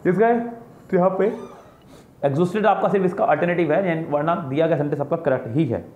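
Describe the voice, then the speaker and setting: A man's voice: a little high, a little mellow. A man teaching an exam-prep grammar lesson, explaining each answer step by step and repeating his own questions and answers. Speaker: English teacher. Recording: roomy, dull lo-fi sound.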